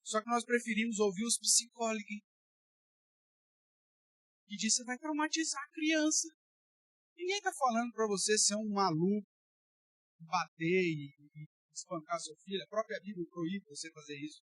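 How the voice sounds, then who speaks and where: A man's voice: high-pitched, normal speed, pauses often, a bit bright, no room sound. Blunt Brazilian man preaching, dry sound. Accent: Brazilian Portuguese. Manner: emphatic, blunt, slangy and direct with listeners. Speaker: pastor teaching a Bible study. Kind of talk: colloquial sermon.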